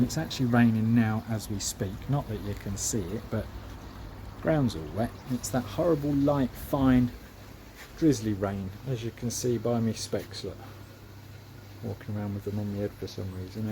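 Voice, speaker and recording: In his back garden beside a pond, a man who keeps koi vlogs in a chatty, homely way, full of fillers. His voice is medium-pitched and warm, with a little hiss or hum. The camera mic shifts between handheld and tripod.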